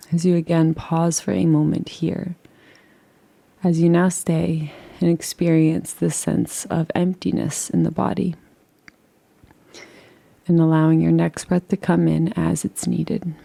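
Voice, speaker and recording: Gentle, creaky-voiced woman guiding meditation. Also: on the low side. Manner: soothing, unhurried, gentle instruction. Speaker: meditation guide. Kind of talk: guided relaxation meditation.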